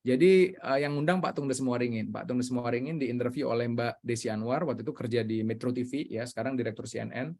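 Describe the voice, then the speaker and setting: A man leading an online training session over a video call, energetic and coaxing his audience. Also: medium pitch, fast talker, gravelly, hardly any pauses.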